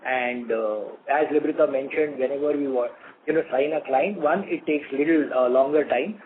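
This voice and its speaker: A man with an Indian accent giving halting, explanatory answers as a company executive on an earnings call. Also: medium pitch. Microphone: conference call phone line. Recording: narrow phone line with faint noise.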